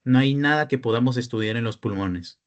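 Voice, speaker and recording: A man's voice: medium pitch, brisk, lo-fi sound. Young man tutoring, asking students. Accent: Peruvian Spanish. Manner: explanatory, checks in with frequent questions to students. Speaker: peer tutor. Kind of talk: online class lecture.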